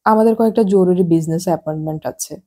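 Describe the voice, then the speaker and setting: A woman reading the part of an easygoing businessman husband in his thirties in an audiobook, in calm, coaxing talk. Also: on the low side, fast talker, natural voice.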